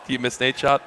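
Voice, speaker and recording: A male esports commentator trading easygoing jokes with his co-caster while they wait for a match. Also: mid-range voice. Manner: joking, easygoing banter. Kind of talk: casual caster banter between matches.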